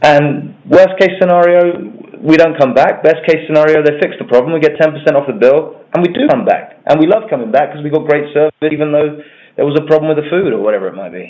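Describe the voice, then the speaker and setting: A man with a British accent talks at a very fast pace. His pitch is fairly high, with ordinary variation. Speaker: agency owner, entrepreneur. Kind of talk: casual chat.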